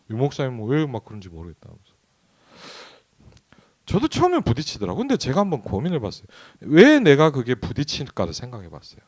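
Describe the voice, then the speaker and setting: A man who is a pastor, preaching a midweek sermon in a conversational way and often asking the congregation questions. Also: mid-range voice. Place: church sanctuary.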